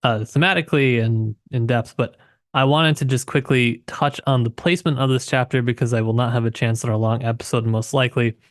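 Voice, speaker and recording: Casting: man for literary podcast co-host. Medium pitch, reflective and self-qualifying, casual delivery, very little room sound. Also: steady tone, a little fast, dry recording, clean studio sound.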